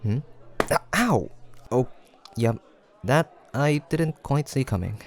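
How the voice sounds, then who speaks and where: A man acting a playful, creaky-voiced teasing guy friend. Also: medium pitch, animated, slow. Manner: playful teasing, frequent chuckles, casual banter. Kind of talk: improvised audio roleplay addressed to the listener.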